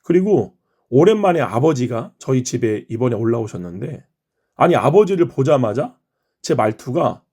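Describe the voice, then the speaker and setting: A middle-aged male pastor from Chungcheong leads a morning devotional. He prays and then explains his teaching in an earnest, careful way. His voice is mellow and relaxed, set at an ordinary male pitch. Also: normal speed, breathy edge. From Chungcheong, Korea. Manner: earnest, explanatory preaching with prayerful phrasing. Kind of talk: morning devotional prayer and sermon.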